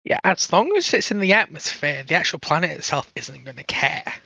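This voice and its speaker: Gravelly, higher-pitched assertive man. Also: expressive, brisk, pushed and bright, no echo. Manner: assertive, argumentative. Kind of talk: casual debate on a live stream.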